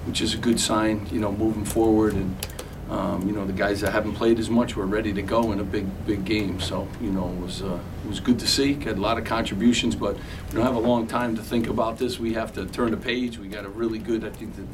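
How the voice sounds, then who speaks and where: Halting middle-aged coach at a podium table. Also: male voice, lowish voice, steady tone. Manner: halting, many fillers and restarts. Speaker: head basketball coach. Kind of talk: postgame press conference answers. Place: press conference room, seated at table. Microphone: table mic, camera from afar. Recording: distant mic with background noise.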